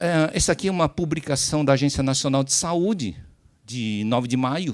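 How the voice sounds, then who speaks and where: A normal speaking voice from a man, fairly high in pitch, with lively intonation at a moderate pace. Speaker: physician and medical professor. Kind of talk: conference talk.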